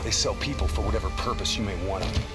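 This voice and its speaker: An actor playing a tough male soldier in a video game, gruff and blunt, cursing and barking orders. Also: fairly low pitch, fast, lightly acted. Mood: grim. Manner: gruff, swears, barks orders. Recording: game cutscene with loud music.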